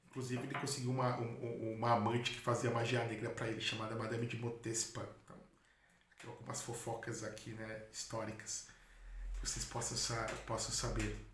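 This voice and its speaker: A man's voice: medium pitch, flat delivery, fairly quick, a bit bright. A man, a Catholic priest, preaching a sermon in a chatty storytelling manner with asides. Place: in Spain. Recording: echoey room with faint noise.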